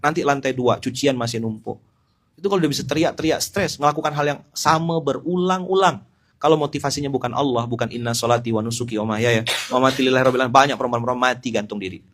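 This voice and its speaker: Middle-aged male preacher, animated and humorous, addresses listeners directly. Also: medium pitch. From Pontianak, West Kalimantan. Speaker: Islamic preacher. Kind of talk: informal sermon.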